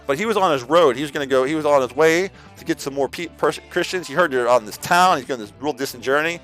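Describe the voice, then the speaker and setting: A man's voice: a little high, quick pace, fairly bright tone, faint music behind. A man preaching casually and off the cuff as an online Christian streamer, rambling with lots of "like" and restarting his sentences. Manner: rambling, full of "like" and repeated restarts; slangy, addresses listeners as "man".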